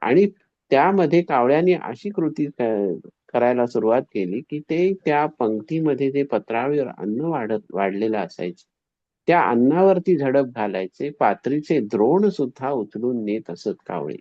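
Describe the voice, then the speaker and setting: A man telling a devotional story in an animated way, acting out the quoted voices. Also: mid-range voice, normal speed, no room sound. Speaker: spiritual storyteller. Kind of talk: devotional discourse. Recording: dull, dry, slightly lo-fi recording.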